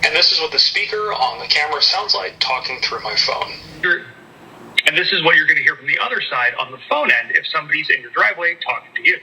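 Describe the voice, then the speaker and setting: Man through a camera speaker, very bright. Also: on the high side, lively intonation, fast talker, rough recording. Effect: heard through a security camera speaker and phone. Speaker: product reviewer. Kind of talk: casual product demo.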